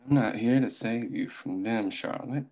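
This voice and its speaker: A powerful boss speaks calmly and with measured control, never needing to raise his voice, as a man reads the part at a table read. His pitch is ordinary and middle. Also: natural voice, poor audio. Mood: controlled. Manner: calm, measured, quietly commanding. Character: calm, powerful boss who controls the room.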